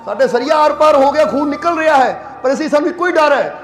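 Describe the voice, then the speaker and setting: High-voiced man preaching in an echoey hall. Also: lively intonation, fast, fairly bright tone. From Punjab, India. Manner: keeps asking listeners if they understand; storytelling, plain conversational preaching. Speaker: spiritual leader. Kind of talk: sermon to a congregation.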